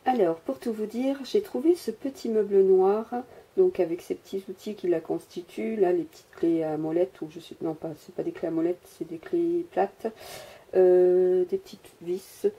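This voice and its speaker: A woman rambles through a casual crafting show-and-tell, stopping often to hesitate and poke fun at herself. Her voice is very dark and mellow, with a husky, breathy edge. She is recorded through the built-in mic of the camera she holds at home. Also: lowish voice, fairly even intonation, normal speed. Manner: rambling, self-mocking, many hesitations. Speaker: crafter showing her miniature workshop. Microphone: handheld camera mic.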